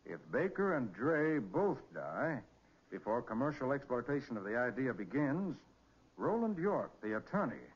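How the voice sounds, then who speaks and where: American master detective, 1940s radio crime drama: shrewd, authoritative, slightly rough voice, muffled vintage recording. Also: male voice, mid-range voice, big pitch swings, moderate pace. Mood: studious. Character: shrewd, composed male master detective leading a murder case.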